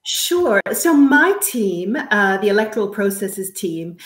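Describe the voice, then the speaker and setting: A woman from Canada speaking as an expert guest, giving measured, careful explanations in an interview. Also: mid-range voice, sing-song. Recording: roomy, echoey sound.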